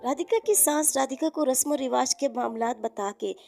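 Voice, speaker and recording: A woman narrates a cartoon moral story in a very high, slightly gravelly voice. Her storytelling is plain and steady, with music playing behind her. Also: moderate pace. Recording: background music.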